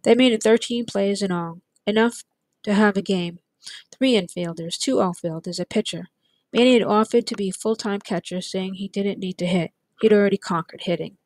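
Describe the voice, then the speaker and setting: A woman reading a chapter of a novel aloud, in steady, plain storytelling. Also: mid-range voice, normal speed, no echo. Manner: steady, plain storytelling with light character voices. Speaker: audiobook reader. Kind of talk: read-aloud narration.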